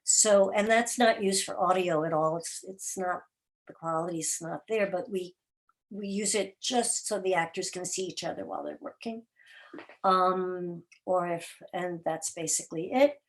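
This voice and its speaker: A woman's voice: fairly low pitch, lively intonation, measured pace, poor audio. A woman speaking informally as a guest producer, answering interview questions on a remote video call. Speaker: radio drama and podcast producer, guest.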